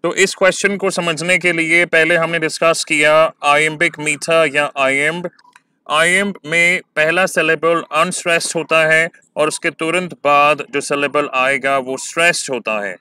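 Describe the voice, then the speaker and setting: A man teaching exam-prep poetry lessons, talking slowly and stretching words to show syllable stress. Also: on the high side, fairly even intonation, sharp tone, clear, resonant tone, dry recording.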